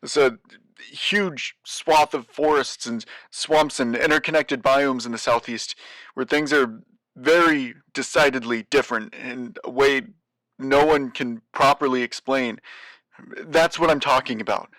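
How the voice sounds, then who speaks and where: An actor playing an anxious, weary man taping a warning in an audio drama, halting and self-doubting as he rambles. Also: medium pitch, sharp tone, no echo, low-quality recording. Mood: hesitant, uneasy. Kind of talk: audio drama monologue as a taped message.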